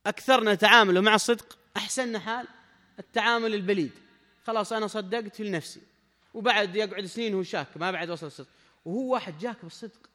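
A man's voice: high-pitched, quick pace, bright, forceful tone, long reverb tail. A man giving a religious lesson, emphatic and repeating his key phrases as he speaks straight to the listener. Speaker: Islamic scholar giving a lesson.

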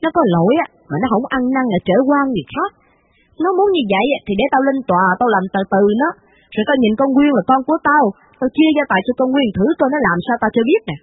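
Woman voicing a hot-tempered wealthy old matriarch, scolding, husky, dry tinny recording. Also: a little high, big pitch swings, moderate pace, dry recording, big-room sound, exaggerated voice. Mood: angry. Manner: scolding, blunt, harsh. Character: rich old mother, domineering and quick-tempered.

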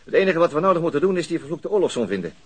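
An actor playing a wry, articulate senior police investigator in a radio crime drama. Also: male voice, on the high side, very animated, racing, slightly rough. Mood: measured, pleased.

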